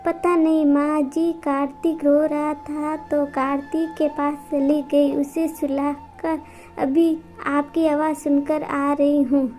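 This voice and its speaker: A timid young daughter-in-law voiced by a woman answers politely in a high, slow voice. She is a character in a storybook. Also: little pitch movement, warm tone, soft background music. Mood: meek.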